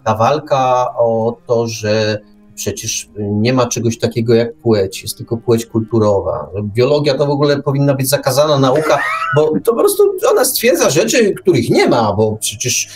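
A man's voice: mid-range voice, lively intonation, moderate pace, darkish tone. A man hosting an opinionated radio discussion, putting rhetorical questions straight to his listeners. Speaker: talk show host. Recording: music under the talk. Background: music.

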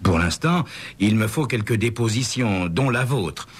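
Man as a composed insurance investigator, measured speech, low voice, lively intonation. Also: slightly rough.

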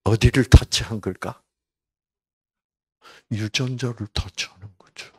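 A man's voice: medium pitch, fairly even intonation, unhurried, darkish tone, husky. A man giving a conversational Bible lecture at a health program. He poses rhetorical questions and addresses listeners by name.

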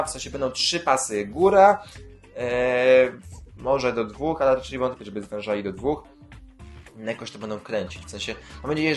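A man hosting a casual news roundup, rambling with filler sounds and self-corrections, and dropping dry sarcastic asides. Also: medium pitch. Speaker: YouTube host covering city transit news.

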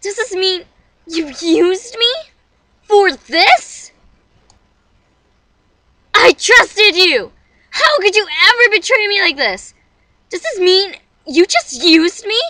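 A dramatic young anime girl, acted by a woman, delivers intense audition lines. Her voice is very high and sharp, swinging widely with theatrical emotion. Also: big pitch swings, slow pace, pauses often, full character voice. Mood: betrayed.

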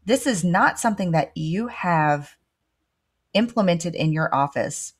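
Woman, host, low voice, measured with fillers, webcam audio. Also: lively intonation, slightly rough. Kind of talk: interviewer asking questions on a video call. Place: home office indoors. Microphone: webcam on a video call.

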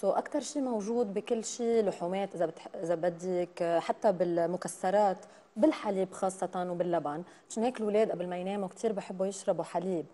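A woman's voice: medium pitch, fast, dark tone. A woman in her thirties with a Lebanese accent, explaining nutrition as a studio guest on a TV talk show and dropping English terms in. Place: bright TV studio.

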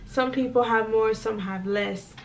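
A woman's voice: fairly high pitch, steady tone, a little slow, a little hiss or hum. Chatty young woman, slightly distant mic. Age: young adult. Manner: chatty, lots of fillers and acted quotes. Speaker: vlogger. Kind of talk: casual chat. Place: small indoor room, white wall.

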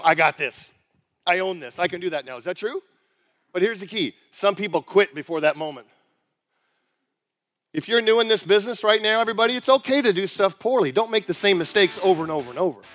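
A middle-aged man giving an energetic motivational keynote on a conference stage, repeating phrases and firing questions at the crowd. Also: high voice. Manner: emphatic, repeats phrases, asks the crowd questions, leads chants. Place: large conference hall on stage. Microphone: headset mic. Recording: live hall with long reverb.

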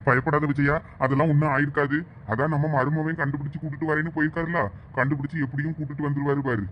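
Fast-talking, high-voiced man. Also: little pitch movement. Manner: aggrieved, indignant pleading. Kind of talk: village family comedy skit acting. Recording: dull lo-fi sound with faint noise.

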